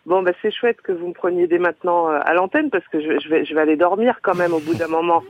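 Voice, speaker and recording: A woman's voice: on the low side, fast, dry recording. A woman phoning in to a radio show, amused and hesitant, with lots of fillers. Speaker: caller. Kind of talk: phone-in call to a radio show. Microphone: phone. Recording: dull phone line.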